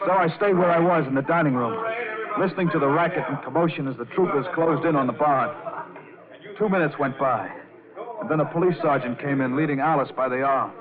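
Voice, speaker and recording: A man's voice: on the high side, a little fast, crowd noise, natural voice. An actor playing a nervous piano player who narrates his own crime in tense first person, in a 1950s radio drama on a tinny old broadcast. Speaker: narrator and lead.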